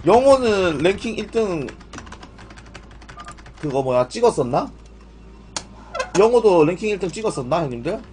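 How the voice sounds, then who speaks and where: A man hosts a gaming live stream in a high, slightly mellow voice with big pitch swings, at normal speed with long pauses. His throat is strained and his voice in poor condition as he chats informally and often questions his viewers. Behind him are music, keyboard typing and a little hiss or hum.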